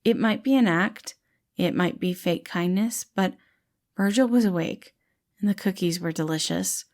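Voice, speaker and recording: A woman's voice: fairly low pitch, a little slow, darkish tone. A woman narrating a scripted story as an audiobook-style reader of fan fiction.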